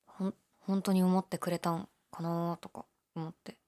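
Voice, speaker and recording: A young woman playing a laid-back, shyly candid gyaru convenience-store clerk in an audio drama, with a breathy, hesitant, mumbled delivery. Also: level tone, normal speed, warm tone, lightly acted. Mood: awkward, bemused. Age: young adult. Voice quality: low, breathy. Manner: listless, hesitant, mumbled casual polite speech. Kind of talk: male-oriented situation voice drama, casual chat.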